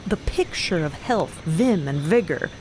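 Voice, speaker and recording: A woman's voice: lowish voice, animated, a little slow, darkish tone, a little hiss or hum, poor audio. A woman narrating a fiction podcast in a dramatic storytelling style.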